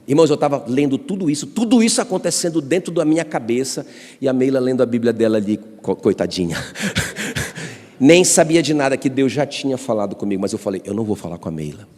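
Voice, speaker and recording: A man's voice: on the high side, darkish tone. A man from Brazil, a pastor preaching a sermon with personal stories and calls for the congregation to respond. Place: church hall. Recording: long church hall reverb.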